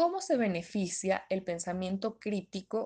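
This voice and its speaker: The woman has an unremarkable speaking voice at a medium pitch. She speaks at a fairly slow pace. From Venezuela. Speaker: psychologist. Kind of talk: prepared explanatory talk.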